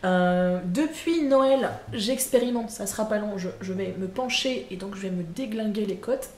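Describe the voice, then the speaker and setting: A woman's voice: mid-range voice, normal speed, darkish tone. A woman chatting casually in a vlog recorded at home on camera, hesitant, with lots of fillers and self-corrections. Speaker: vlogger. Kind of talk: casual monthly vlog chat. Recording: echoey room with faint background hum.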